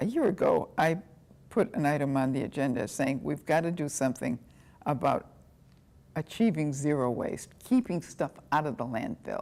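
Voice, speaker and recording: Here a woman talks at a moderate pace with lively intonation. Her voice has a very deep, low pitch and a dark, mellow tone. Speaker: city councilor. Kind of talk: interview.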